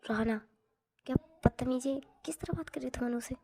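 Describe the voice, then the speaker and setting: A woman's voice: high-pitched, brisk, vocal fry, mellow, slightly rough, full character voice. A woman voicing a stern middle-aged mother who scolds and gives orders. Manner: commanding, scolding.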